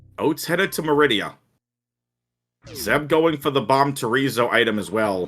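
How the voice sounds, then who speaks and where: In a Boston accent, a man speaks at a fairly high pitch and moderate pace with lively intonation and long, frequent pauses. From New England, Boston area. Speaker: race commentator. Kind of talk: live commentary.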